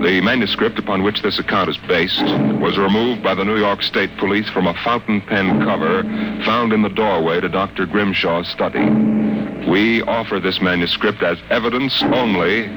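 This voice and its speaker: An American man announcing a 1950s radio show in a formal, solemn scripted style. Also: low-pitched. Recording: very noisy old radio recording.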